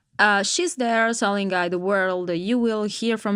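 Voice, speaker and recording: A woman speaks with an Italian accent. Her pace is fairly slow, with ordinary pitch variation. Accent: Italian accent, clearly noticeable. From Italy. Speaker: podcast guest, wife of the host. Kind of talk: casual chat. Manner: hesitant, with many fillers.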